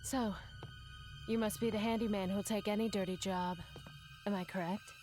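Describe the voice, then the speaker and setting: An actress playing a mysterious, coolly seductive woman in a video game, with deliberate, dramatic delivery. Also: medium pitch, fairly even intonation, close to an everyday voice. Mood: cool, composed. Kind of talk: video game cutscene acting. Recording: music behind the voice.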